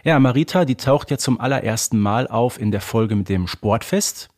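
A man's voice: medium pitch, animated, moderate pace, a little mellow. A German man co-hosting a casual fan podcast, explaining things in a matter-of-fact, conversational way. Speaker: podcast co-host.

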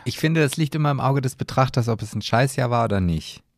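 A man's voice: medium pitch, expressive, fast talker, dry recording, clean studio sound. A man with a German accent co-hosting a podcast in casual, playful, rambling chat. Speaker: podcast co-host.

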